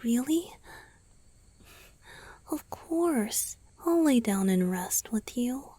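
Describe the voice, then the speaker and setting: A woman voicing a tender, devoted young male vampire boyfriend in a soft, breathy whisper for a romantic ASMR roleplay. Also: on the high side, expressive, dry recording, exaggerated voice. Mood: pleased, gentle. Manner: slow, gentle, devoted, lingering pauses.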